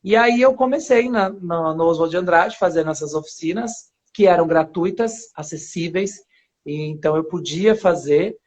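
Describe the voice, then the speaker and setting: A man's voice: fairly high pitch, moderate pace. Man from Paraíba with a São Paulo accent. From Paraíba, Brazil. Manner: rambling, with many restarts and soft laughs. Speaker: guest actor. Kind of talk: casual interview on a live stream. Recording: dull lo-fi live stream audio.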